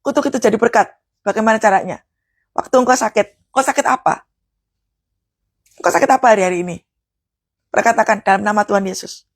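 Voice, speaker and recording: A woman preacher, giving a charismatic sermon. She swings from loud, forceful preaching to hushed prayer. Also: mid-range voice, a little fast, pauses often, slightly rough, no echo.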